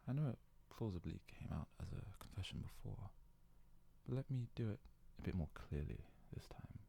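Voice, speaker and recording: A man playing a devoted, self-loathing yandere fox-boy servant in an intimate ASMR roleplay, hesitant and deferential, with a soft, breathy, gravelly delivery. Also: low-pitched, lively intonation, normal speed, heavily acted. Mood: tender, confessing.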